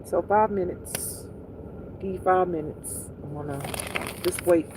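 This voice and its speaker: A livestream host talking in a soothing, unhurried, intimate pillow-talk way, repeating gentle instructions to relax. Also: medium pitch, background noise.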